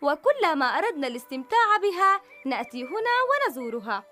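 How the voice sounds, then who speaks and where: A gentle, caring young girl from a children's story, voiced by a woman, speaking high and earnestly and gently persuading her friends. Soft music runs quietly underneath. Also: very animated, fairly quick, full character voice.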